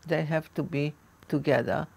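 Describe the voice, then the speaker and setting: An older woman being interviewed at home, recounting memories in a halting, emotional way with many restarts. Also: deep voice, fairly even intonation, creaky, a little mellow, husky. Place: indoor living room.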